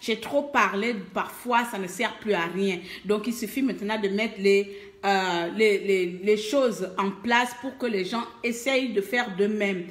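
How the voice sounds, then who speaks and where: A woman's voice: medium pitch, measured pace, roomy sound. A woman from Gabon with a Gabonese French accent, making an emphatic, hesitant appeal for mobilization on a live video, full of fillers. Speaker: activist making a call to mobilize. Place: abroad, away from home country.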